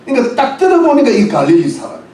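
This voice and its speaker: Animated Korean pastor preaching in echoey church. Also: male voice, very high-pitched, rapid-fire, recorded from a distance. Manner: explains word by word, mixing English phrases; asks the congregation questions. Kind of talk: sermon.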